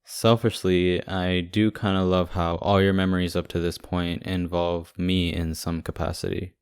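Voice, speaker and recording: A man's voice: low-pitched, flat delivery, moderate pace, smooth, dry recording, clean studio sound. A man playing a devoted, protective boyfriend in an ASMR audio roleplay, talking casually and conversationally. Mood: tender, reassuring.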